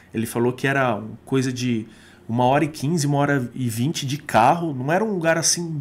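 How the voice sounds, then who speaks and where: At a moderate pace, a man speaks at fairly high pitch with ordinary pitch variation. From São Paulo state, Brazil (Itapeva). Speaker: storyteller, channel host. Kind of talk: casual storytelling. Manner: conversational, with fillers and restarts.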